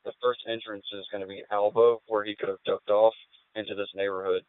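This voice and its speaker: A man's voice: on the low side, flat delivery, fairly quick, clean tone, dry recording. A man working as a police officer, giving matter-of-fact directions in clipped two-way radio traffic. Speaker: police officer coordinating a search over radio. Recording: tinny narrowband police radio scanner feed.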